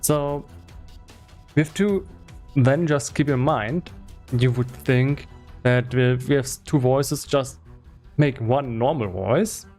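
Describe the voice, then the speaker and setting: A man talking casually and explaining on a livestream, thinking aloud in a halting way, with as his language. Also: medium pitch, darkish tone, faint music behind. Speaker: game developer streaming live. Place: indoor room with foam acoustic padding.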